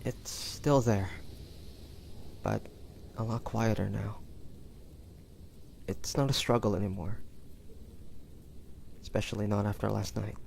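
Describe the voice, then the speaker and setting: A man playing a tender, devoted hunter turned immortal in an intimate audio roleplay, speaking haltingly and emotionally to a lover. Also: lowish voice, steady tone, darkish tone, a little hiss or hum. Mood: tender, relieved. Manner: halting, emotional, breathy sighs and whispers.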